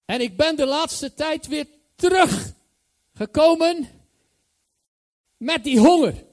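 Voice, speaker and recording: A man's voice: extremely high pitch, expressive, slow pace. A male preacher giving a sermon, enthusiastic and emphatic, repeating his key phrases.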